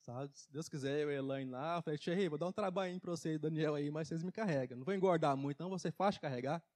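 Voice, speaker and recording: A man preaching a folksy testimony sermon in church, emphatic, with loudness and pitch that swing widely. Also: rapid-fire. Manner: folksy, laughs at his own jokes. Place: church service.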